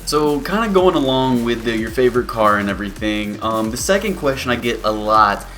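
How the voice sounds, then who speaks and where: A young man in his early twenties talks through a casual question-and-answer vlog at a middling pitch. He rambles easily and leans on fillers, and faint music plays under his voice. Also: a little fast. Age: 20s. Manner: relaxed, rambling, many fillers. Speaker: YouTuber.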